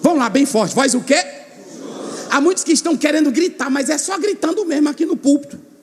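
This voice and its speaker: High-pitched fiery preacher man in echoing hall. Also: brisk. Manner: shouting, sing-song preaching with call and response. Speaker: pastor. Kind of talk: fiery Pentecostal sermon. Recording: long echo of a large hall.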